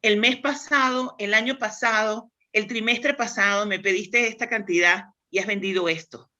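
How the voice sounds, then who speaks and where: Pushed and bright, her mid-range voice keeps a fairly even intonation at a moderate pace. She's a woman from Spain with a Spanish accent, a guest in a conversational interview who reflects on demand planning and restarts often.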